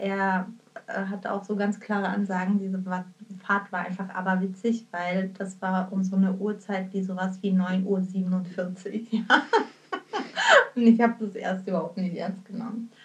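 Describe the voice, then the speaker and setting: Her delivery is fairly slow and monotone, with flat intonation, as a woman speaks at a medium pitch. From former Soviet Union. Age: 30s. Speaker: podcast co-host. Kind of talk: casual chat.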